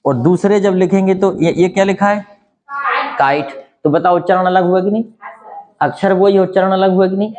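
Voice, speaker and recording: A man whose first language is Hindi, teaching a spoken English lesson and explaining slowly with many rhetorical questions. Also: high-pitched, fairly even intonation, darkish tone.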